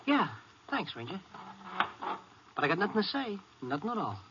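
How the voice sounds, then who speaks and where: A man's voice: high voice, sing-song, normal speed, background noise. An actor playing a nervous, cowardly male prisoner in a 1950s radio western, stammering and pleading in a whining, wheedling way. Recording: dull old radio recording.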